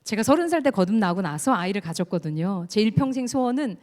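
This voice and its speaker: Woman, church deaconess, earnest testimony sermon, mid-pitched, in a reverberant sanctuary. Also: animated, quick pace, darkish tone. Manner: earnest storytelling, leads the congregation in reading. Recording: long church hall reverb.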